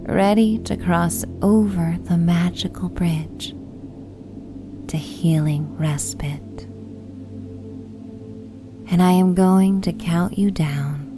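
A woman narrating a bedtime sleep story in a soothing, hushed, unhurried manner. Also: on the low side. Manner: soothing, hushed, unhurried guided relaxation delivery.

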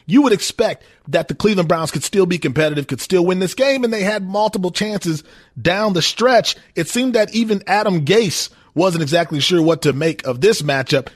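A man from Minnesota co-hosting a sports talk radio show, talking in animated bursts and laughing as he makes his points. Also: sits high, normal speed. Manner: animated, laughs often, stresses words for emphasis. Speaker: fill-in sports radio host.

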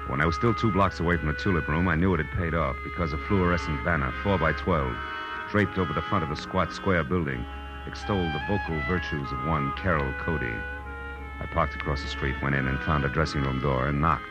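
An actor playing a tired, brusque, wisecracking private detective in a 1940s radio drama. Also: male voice, extremely low pitch, brisk, dull audio. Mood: cool narrating. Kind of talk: 1940s radio drama acting and first-person narration. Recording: old radio recording with music.

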